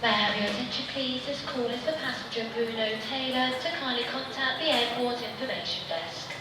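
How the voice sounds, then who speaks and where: A woman's fairly high voice reads a polite, measured paging call over an airport public address loudspeaker. The sound rings with heavy echo through the terminal, and steady background noise runs underneath. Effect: airport public address loudspeaker announcement. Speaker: airport announcer. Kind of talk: formal paging announcement. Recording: echoey loudspeaker in a noisy terminal.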